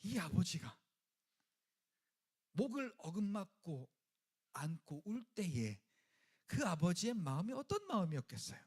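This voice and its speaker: A male pastor delivers a sermon in a high, lively voice that leaps up and down. He talks in an everyday way, acts out the quoted lines with swings in loudness, and jokes with his congregation. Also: measured pace, pauses often, breathy edge.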